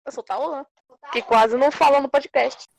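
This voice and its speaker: A woman's voice: sits high, steady tone, normal speed, creaky, no echo, low-quality recording. A young woman co-hosting a casual podcast on her phone, teasing and playful. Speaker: podcast co-host.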